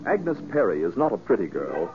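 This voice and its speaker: A man's voice: lowish voice, very animated, normal speed, background noise. A man announcing and narrating in a dramatic, scripted 1940s radio style. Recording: tinny vintage radio broadcast. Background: music.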